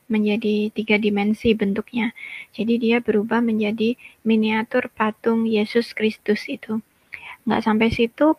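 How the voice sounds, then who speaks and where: A woman's voice: a little high, no echo, highs cut off. A woman in her thirties telling her personal testimony in a conversational way, with frequent fillers and direct asides to listeners. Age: 30s. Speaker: testimony guest.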